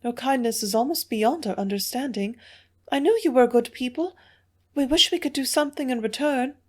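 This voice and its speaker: A woman reading the part of a distressed young Earth woman, speaking in a high, tearful, pleading voice. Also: moderate pace. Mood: grateful.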